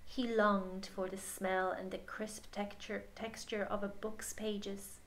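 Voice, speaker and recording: A woman storyteller narrating a children's storybook expressively and deliberately, letting phrase endings drop to a hush and speaking directly to young listeners. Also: medium pitch, level tone, slight background noise.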